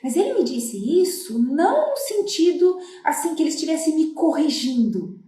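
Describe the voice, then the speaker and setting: A middle-aged woman with a high, mellow voice talks to parents in a casual, earnest way, explaining step by step and often checking that they follow. She comes from Brazil. The sound is echoey, as if recorded in an open room. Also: very animated, moderate pace. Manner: earnest, explanatory, with many "né?" tags. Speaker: floral therapist.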